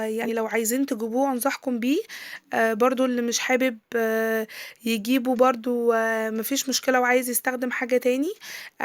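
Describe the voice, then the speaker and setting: Young Egyptian woman vlogger, high and quick, tired voice, chatty and filler-heavy, dry handheld sound. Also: no echo. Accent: Egyptian Arabic. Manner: chatty, full of drawn-out "aah" fillers and trailing restarts. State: tired voice, still recovering from illness. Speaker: lifestyle vlogger. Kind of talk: casual product showcase chat. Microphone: handheld camera.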